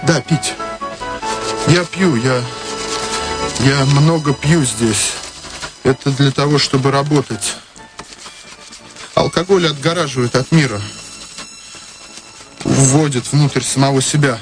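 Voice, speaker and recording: An actor playing a passionate, restless young male painter in a radio play, speaking haltingly and repeating words. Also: mid-range voice, natural voice. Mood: brooding, intense. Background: music.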